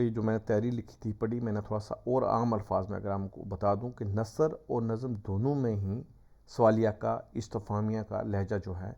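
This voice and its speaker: Guy teaching a grammar class, raspy gravelly voice, slow patient explaining, kinda muffled lo-fi audio. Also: lowish voice, a little mellow. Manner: patient, explains step by step with examples. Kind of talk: classroom lecture. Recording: dull lo-fi recording.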